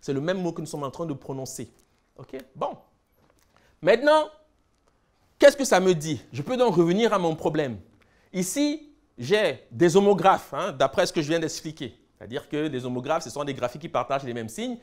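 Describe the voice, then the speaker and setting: A man from Cameroon giving a lecture, listing words slowly and then explaining them with emphasis. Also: fairly high pitch, animated. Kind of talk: lecture on word roots.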